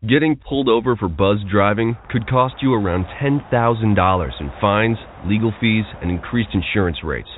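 A man narrating a radio ad in a calm storytelling way. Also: lowish voice, moderate pace, hardly any pauses, slight background noise. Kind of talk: scripted radio ad. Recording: tinny line with music behind.

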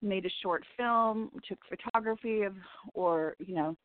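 A woman hosts a spiritual call-in show in a scratchy, hoarse voice, talking in a rambling, heartfelt way and breaking into small laughs. She comes through a tinny phone line with a dry, close sound and no room around her. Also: mid-range voice, a little slow, dry recording. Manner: chatty and heartfelt, with little laughs and restarts. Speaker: radio show host and psychic reader. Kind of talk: rambling spiritual radio monologue.

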